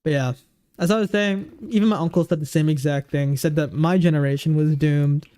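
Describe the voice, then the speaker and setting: A man's voice: fairly high pitch, fairly quick, mellow, smooth. A man in his twenties chatting casually on a livestream, rambling with lots of fillers and restarts, goofy and easygoing. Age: 20s.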